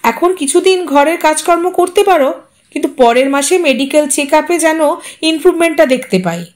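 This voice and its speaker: A woman voicing a sharp, bossy, anxious wife who scolds and demands in an audio story. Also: high voice, lively intonation, moderate pace, voice pushed up.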